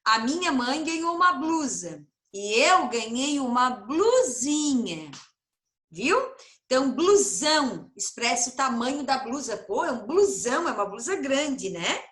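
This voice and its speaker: A Brazilian woman teaching young children in an online class, playful and sing-song, stretching words out slowly. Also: high-pitched, echoey room. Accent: Brazilian Portuguese. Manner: animated, drawn-out sing-song word stretching; playful, addresses pupils affectionately. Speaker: primary school teacher. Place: home, room with echo.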